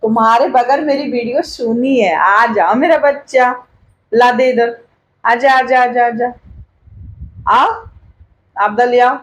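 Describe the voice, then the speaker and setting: An older woman with a fairly high voice talks slowly at home, coaxing a baby in a repetitive, sing-song way. She speaks into a clip-on mic held in her hand, drawing out her words gently. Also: a little hiss or hum, poor audio. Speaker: vlogger grandmother. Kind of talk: home family vlog.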